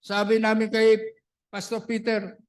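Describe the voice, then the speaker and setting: High-pitched pastor guy preaching in church, takes his time. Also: completely flat delivery, unhurried. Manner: preaching in Tagalog mixed with English, acting out dialogue. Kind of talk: sermon.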